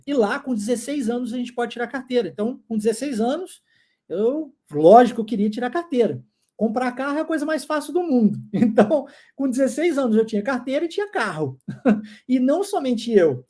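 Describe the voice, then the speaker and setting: With an extremely high-pitched yet dark-toned voice, a New Jersey man who teaches English leads a pronunciation lesson in the United States. He slowly repeats words for learners to imitate, chuckling frequently.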